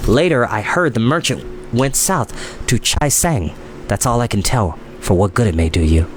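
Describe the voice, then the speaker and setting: A man voicing a gruff, sympathetic stable groom who confides under his breath in a storybook tale. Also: medium pitch, animated, moderate pace, slight background noise, voice pushed down, close to an everyday voice. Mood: confiding, grim.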